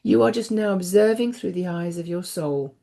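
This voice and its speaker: Deep, gravelly woman giving spiritual guidance. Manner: soft, unhurried and repetitive, dwelling on phrases. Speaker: host and oracle card reader. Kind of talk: spiritual guidance with an oracle card reading.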